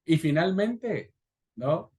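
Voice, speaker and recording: A man's voice: on the high side, very slow. Rioplatense man teaching a Bible class. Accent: Rioplatense Spanish. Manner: lively, acts out quoted voices, asks "right?" often. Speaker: pastor.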